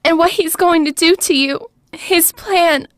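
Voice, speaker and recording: A girlish young villainess for an audio drama. Her voice is extremely high and cutesy. She comes across as lovesick and cheeky, the devoted sidekick. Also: a little slow, fairly bright tone, no echo, clean studio sound. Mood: anxious.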